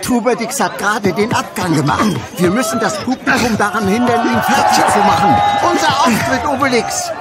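A shrewd little Gaulish warrior from a radio comedy. His voice is high and lively, his manner brisk and commanding, over a loud crowd. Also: over loud music. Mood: urgent. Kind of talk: comic radio play acting. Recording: noisy crowd behind voice.

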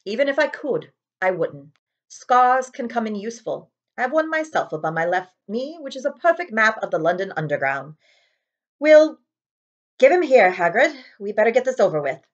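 Woman reading as a calm, wise old professor. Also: on the high side, normal speed, muffled recording, pitched above the performer's own voice. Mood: resigned.

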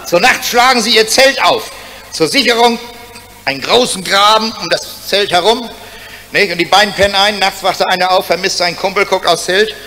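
A man's voice: high voice, sharp tone, a faint crowd. A man telling one joke after another as a stand-up comedian, tagging lines with "du" and "hä?". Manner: fast joke after joke, punctuated with "du" and "hä?".

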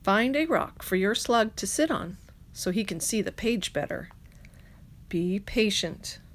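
A woman teacher reading a children's picture book aloud, slowly and clearly, with sing-song rhymes. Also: mid-range voice, lively intonation.

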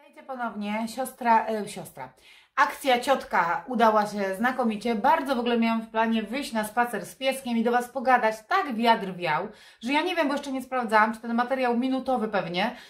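A woman's voice: fairly high pitch, brisk, roomy sound. A woman in her thirties with a nasal, stuffed-up voice from a blocked nose and sore throat, chatting candidly to camera in a casual vlog. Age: 30s. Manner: candid, confiding. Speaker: vlogger. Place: furnished room indoors. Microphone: camera propped in front of her.

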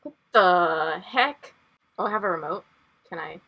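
A woman's voice: fairly low pitch, unhurried, bright, forceful tone, slight background noise. A young woman on a headset mic, playing a horror game and commenting nervously, laughing and asking questions. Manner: nervous, giggly, full of questions. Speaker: gaming streamer.

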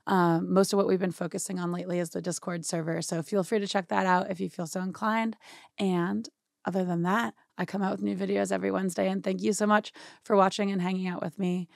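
A young woman with a hoarse, worn-out voice, chatting through a software tutorial in a home studio and often checking in with "right?". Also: mid-range voice, level tone, quick pace, no echo. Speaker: music production tutorial host. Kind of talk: casual screen-share software tutorial.

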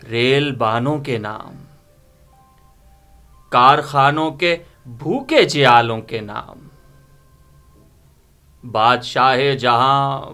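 A middle-aged man giving a dramatic poetry reading in a theatrical, solemn and deliberate manner. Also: fairly high pitch, pushed and bright, clean tone. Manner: theatrical, solemn, deliberate phrasing with repeated lines. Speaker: poetry reciter. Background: background music.

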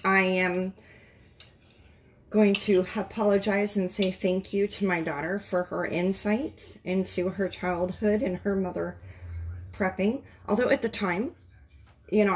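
A middle-aged woman hosting a casual home interview, relaxed and reflective, laughing often. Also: lowish voice, slight background noise. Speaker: host.

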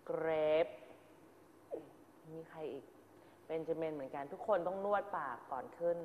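A woman's voice: low voice, moderate pace, a little hiss or hum. A woman coaching a drama class, giving direct, corrective notes to her students one after another. Her voice rings out in a large hall with a long tail of reverb. The sound is somewhat dull and muffled. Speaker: acting teacher.

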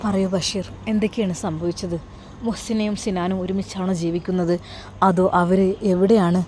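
A woman voicing a kind, caring older Arab woman employer who asks gentle, coaxing questions. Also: lowish voice, level tone, moderate pace, slight background noise, lightly acted. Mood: gentle concern.

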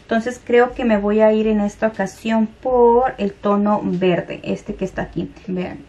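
A young woman hosts a makeup tutorial in a chatty, friendly way, calling her viewers girls. She explains each step as she shows it, at an easy pace. Her voice sits at an ordinary middle pitch. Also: highs cut off. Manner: chatty, addresses viewers as "chicas", soft-spoken demonstrating.

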